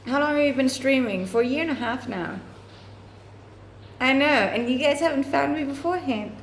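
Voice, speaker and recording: Cooking at home in her kitchen, a livestreaming Danish woman with a Danish accent talks chattily with her audience, frequently laughing and reading their messages out loud. She's from Denmark and has a high-pitched voice at a normal pace. The room echoes, and there's a slight hiss or hum.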